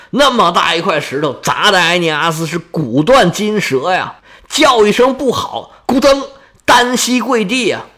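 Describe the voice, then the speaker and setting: A man's voice: on the high side, bright, forceful tone. A man telling an epic tale in dramatic oral storytelling style, vivid and chatty with asides to listeners.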